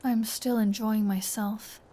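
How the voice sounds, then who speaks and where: A woman's voice: fairly high pitch, level tone, mellow. A woman playing a taunting, flirtatious female vampire in an ASMR roleplay, teasing and sardonic with a wistful edge. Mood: wry, wistful. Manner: slow, teasing, sardonic, with sighs and whispered phrases. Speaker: audio roleplay performer.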